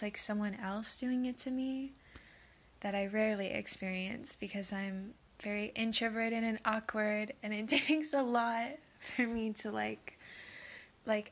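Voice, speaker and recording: A woman with a sniffly voice from allergies, rambling in a nervous, halting way, stammering, filling pauses and giggling, sometimes dropping to a whisper. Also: on the high side. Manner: drops into soft whispers at times; giggles often. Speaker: audio creator. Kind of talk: rambling casual monologue.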